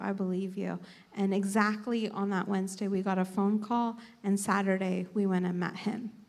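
Speaking at a moderate pace and a medium pitch, a woman with an American accent has an unremarkable speaking voice. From Tampa, Florida. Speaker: preacher. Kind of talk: testimony.

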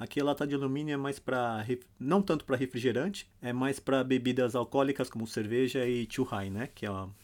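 A man with an unremarkable speaking voice of medium pitch talks at a fairly quick pace with hardly any pauses. His pitch varies in an ordinary way, and the recording is very clean with a silent background. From Brazil. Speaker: guest living abroad. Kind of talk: casual chat.

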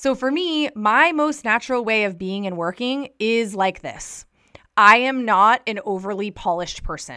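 Her voice is fairly high-pitched, with a bright, sharp tone. This woman speaks at a moderate pace with lively intonation. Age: 30s. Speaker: podcast host and interior designer. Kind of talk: casual solo monologue. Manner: casual.

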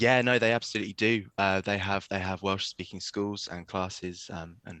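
A man's very deep, low voice with a bright, sharp tone, fairly even intonation and a slight East Anglian accent. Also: quiet background. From East Anglia, England. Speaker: watch brand founder. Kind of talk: casual chat. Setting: video call.

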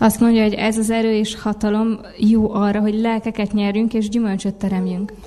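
A woman with a Hungarian accent speaks very fast, with hardly any pauses, at a fairly high pitch. Her intonation is flat and monotone, and there is noticeable background noise. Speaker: interpreter. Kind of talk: interpreted sermon.

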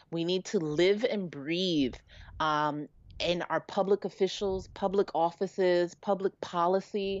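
It is an ordinary speaking voice. The pace is fairly slow and the intonation fairly even. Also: woman, medium pitch for a woman. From United States. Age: 20s. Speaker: high school English teacher. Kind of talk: interview.

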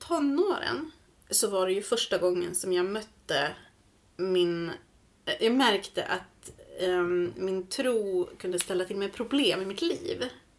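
A woman with a medium pitch talks at a very slow pace. Her intonation is lively, and her loudness swings widely. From northern Sweden, Skellefteå area (Norrland coast). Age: 30s. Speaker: podcast host, former believer. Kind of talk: personal testimony in interview.

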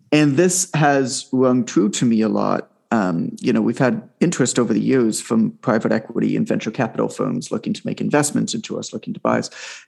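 A man with a Canadian accent at a fairly quick pace, with hardly any pauses. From Ontario, Canada. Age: 30s. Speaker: online fitness coach and author. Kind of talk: casual interview.

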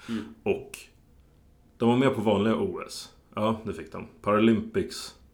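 Speaking at a fairly slow pace with long, frequent pauses, a man shifts widely in loudness. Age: 20s. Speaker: podcast co-host, small business owner. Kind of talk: casual chat.

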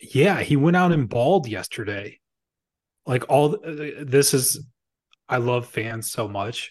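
Very slow and marked by long, frequent pauses, a man's medium-pitched, somewhat breathy voice moves with lively intonation. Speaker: podcast co-host. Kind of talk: casual banter.

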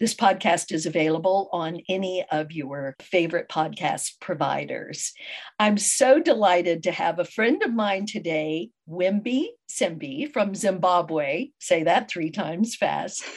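Intonation stays lively while an unremarkable speaking voice proceeds fairly slowly. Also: woman, medium pitch for a woman. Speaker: podcast host. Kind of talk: casual chat.

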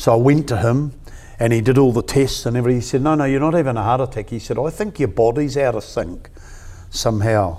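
Talking very fast in a New Zealand accent, a man uses a medium pitch, a dark, mellow tone and ordinary pitch variation. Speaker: retired pastor. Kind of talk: interview.

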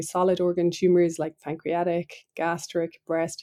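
In a Cork accent, a woman speaks at a fairly low pitch with a dark, mellow tone. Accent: Irish (Cork). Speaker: interventional radiologist. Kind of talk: interview / medical explanation.

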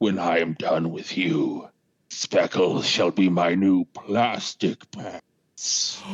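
In a put-on character voice, the speaker sounds raspy, guttural and menacing, talking at a very slow pace. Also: man, very deep, low pitch for a man. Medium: actual play. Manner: gloating, menacing.

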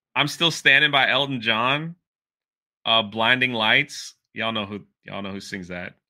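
A man speaks in a plain, everyday voice with an American accent, medium in pitch and moderate in pace. His pitch moves in an ordinary way while his loudness swings widely. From US East Coast (Washington DC, Miami). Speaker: podcast host. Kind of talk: casual interview chat. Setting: livestream video call.

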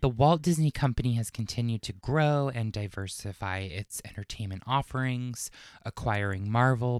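The text is read aloud plainly, and the pitch varies the usual amount.

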